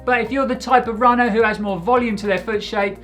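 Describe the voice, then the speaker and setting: A man hosting his own channel, giving a steady, conversational product review of running shoes to camera. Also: very high-pitched, brisk, soft background music.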